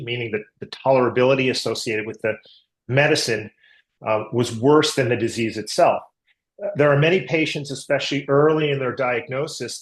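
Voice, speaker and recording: Man, mid-range voice, company executive, earnings call answers, measured explaining, technical business jargon. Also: medium pitch, fairly bright tone, rough recording. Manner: measured corporate explaining, medical and market jargon.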